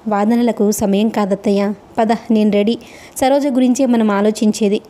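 A woman's voice: medium pitch, steady tone, normal speed, warm tone, lightly acted. A woman voicing a composed young woman taking charge in a storybook reading, with a firm, practical manner.

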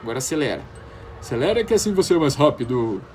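A man's voice: medium pitch, big pitch swings, fast, background noise. A man with a Brazilian accent commentating on a horror game, panicky and easily startled. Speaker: gamer.

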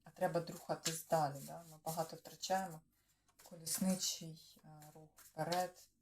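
A woman's voice: sits low, little pitch movement, normal speed. Musing Ukrainian woman reading tarot, noisy. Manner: musing, talks to cards and viewers, trails off. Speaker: tarot reader. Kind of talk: tarot reading on current news. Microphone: clip-on or desk microphone.

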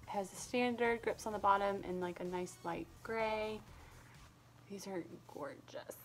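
A woman's voice: medium pitch, unhurried, faint music behind. A young woman chatting casually in a vlog, talking in an easygoing way full of "like" fillers. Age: young adult. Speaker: vlogger.

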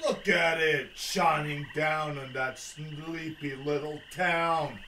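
Wisecracking mob goon, slow bright voice, roomy echo. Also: male voice, fairly high pitch, steady tone. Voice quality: wisecracking, gruff. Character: wisecracking mobster wise guy. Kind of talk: comic radio drama. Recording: echoey, distant mic, faint noise.

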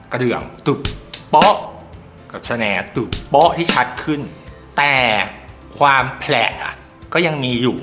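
A man reviewing earbuds in a casual, rambling way, groping for words and swearing now and then. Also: mid-range voice. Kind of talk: casual tech review talk.

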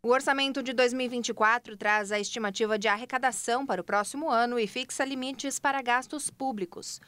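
A woman narrates a news package in a steady, even voice-over. Her voice is a little high and sounds close and dry. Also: fairly quick, no echo.

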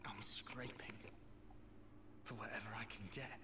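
A man's voice: on the low side, level tone, measured pace, in a whisper, lightly acted. A man playing a regretful, brooding captive soldier in a video game cutscene, subdued and reflective. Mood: somber, regretful.

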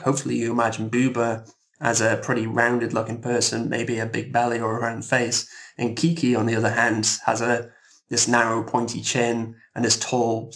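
A man speaks as a composer in a roundtable interview, choosing his words thoughtfully. His delivery is fairly even in pitch, with some creak and gravel in the voice. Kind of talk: explanatory interview talk.

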